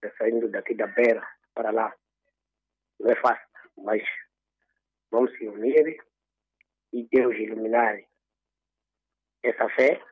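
A man from Mozambique phones in to a radio show, and his husky voice comes through dull and muffled. He talks earnestly and leans on religious phrasing. The sound is dry, with no room around it. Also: fairly low pitch, steady tone, unhurried, long pauses, no room sound. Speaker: radio caller.

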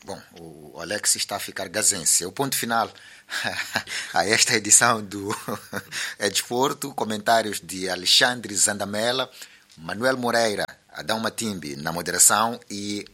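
A man moderating a radio sports debate, brisk and keeping time on the speakers. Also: fairly low pitch, sharp tone. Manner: brisk, keeps time, cuts in.

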